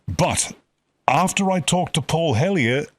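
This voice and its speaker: A man's voice: on the high side, animated, measured pace, slight background noise. A man hosting a casual interview, eager and repeating words as he talks. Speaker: interview host.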